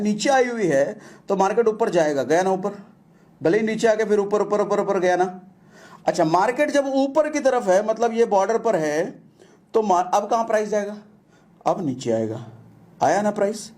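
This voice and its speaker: Guy from india walking thru stock charts, fairly high voice, repeats stuff and asks questions back. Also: darkish tone. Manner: explains with repetition and rhetorical questions. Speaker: trading tutor. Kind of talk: casual screen-share lesson.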